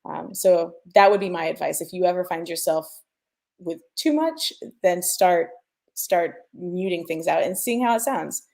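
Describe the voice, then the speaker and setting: A woman's voice: fairly low pitch, unhurried, gravelly, a little mellow. A woman explaining her work as a sound designer in an informal, conversational way, thinking aloud and stressing key points. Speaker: sound designer sharing mixing advice.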